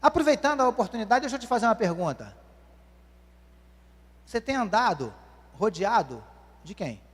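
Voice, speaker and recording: Pastor carioca de voz aguda. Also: male voice, sits high, sing-song, moderate pace, slightly rough. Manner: asks the congregation questions, calls them dear ones. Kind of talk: sermon. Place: church hall. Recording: long church hall reverb.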